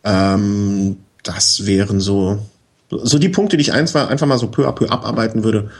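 This bicycle expert speaks at a moderate pace in a fairly low, husky voice. As a guest in a casual chat, he gives practical advice step by step, staying relaxed and often adding short "ne?" tags and fillers.

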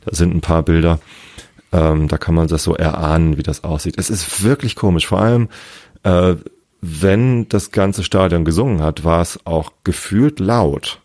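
Very deep-voiced hoarse man, hesitant. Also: moderate pace, darkish tone, no room sound, studio quality. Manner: hesitant, many fillers and restarts. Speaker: football fan guest. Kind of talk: casual conversation.

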